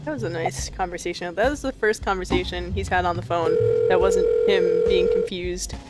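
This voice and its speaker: A woman's voice: lowish voice, brisk, over music. A woman co-commentating on a game casually, with dry, mock-formal quips. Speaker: let's play co-commentator.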